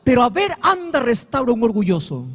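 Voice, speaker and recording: A man preaching a sermon as pastor, with impassioned delivery that swings from high sung cries to low, drawn-out words. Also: very animated, a bit bright, breathy edge. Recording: long reverb of a church hall.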